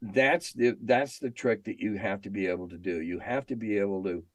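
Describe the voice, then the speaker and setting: An older American man with a fairly low voice talks as an interview guest. He is opinionated and emphatic, repeating phrases for stress as he tells stories. The sound is dry, without room echo. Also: normal speed. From United States. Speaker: interview guest, veteran game designer and editor. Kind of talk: conversational interview answers with storytelling.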